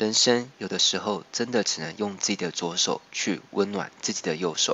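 A man with a Taiwanese accent speaks at a moderate pace. His pitch is fairly low, with ordinary pitch variation. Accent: Taiwanese Mandarin. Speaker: motivational speaker. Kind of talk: motivational monologue. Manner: warm, gentle.

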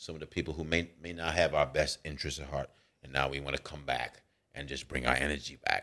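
The speaker has an American accent and vocal fry. Delivery is fairly quick, with fairly even intonation. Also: man. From Philadelphia, then Ghana from age twelve. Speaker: rapper. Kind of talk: casual chat.

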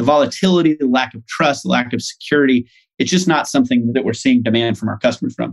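In an American accent, the speaker talks very fast with ordinary pitch variation in a dry, close sound with no echo. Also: man, medium pitch for a man. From US, Boise, Idaho. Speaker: tech company founder and CEO. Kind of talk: interview.

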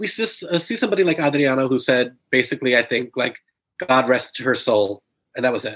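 With a Brooklyn accent, a man speaks at a fairly quick pace and medium pitch, his intonation lively. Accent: New York, Brooklyn. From Brooklyn, New York. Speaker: celebrity stylist and vintage fashion archivist. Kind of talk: casual chat, gossipy interview.

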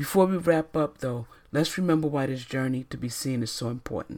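The recording is very clean, with a silent background. A woman with a very deep, low pitch speaks at a moderate pace, her pitch varying in an ordinary way. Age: 60s. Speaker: podcast host, mindset and visibility coach. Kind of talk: solo podcast monologue.

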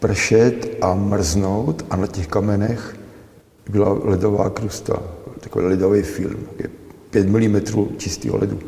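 Over noticeable background noise and audible room echo, a man with a fairly low pitch speaks at a fairly slow pace with fairly even intonation. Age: old. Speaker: sculptor. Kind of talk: interview. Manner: halting.

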